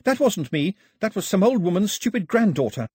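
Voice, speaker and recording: A man's voice: medium pitch, big pitch swings, moderate pace, a little mellow, breathy edge, no echo, clean studio sound. A man voicing a prim, proper young girl who speaks in an earnest, slightly indignant way.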